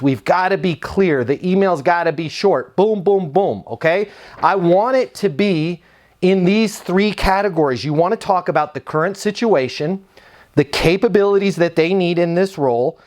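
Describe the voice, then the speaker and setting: A man who founded a sales training company, giving energetic, emphatic career advice straight to the camera. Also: sits high. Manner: energetic, emphatic, punchy coaching delivery. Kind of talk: direct-to-camera advice video.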